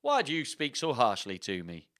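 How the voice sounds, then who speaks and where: Storybook schemer and lovelorn killer, performed by a male reader: bright, theatrical, imploring, big pitch swings. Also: very animated, measured pace, exaggerated voice. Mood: smooth, wounded. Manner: pleading, overwrought, theatrical. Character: melodramatic scheming murderous male suitor narrating his tale. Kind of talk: theatrical storybook read-aloud.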